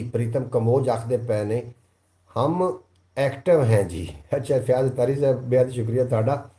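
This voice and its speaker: A man's voice: medium pitch, warm tone, roomy sound. A man with a Punjabi accent hosting a live stream, reading out viewer comments, thanking people one by one and now and then reciting couplets. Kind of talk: casual live chat.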